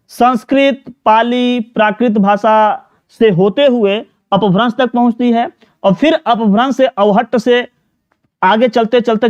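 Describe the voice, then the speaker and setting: A man's voice: very high-pitched, darkish tone, lo-fi sound. A man from teaches a live online exam-prep class. He talks students through each question, repeats words and keeps asking them for answers, with plenty of fillers. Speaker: Hindi teacher.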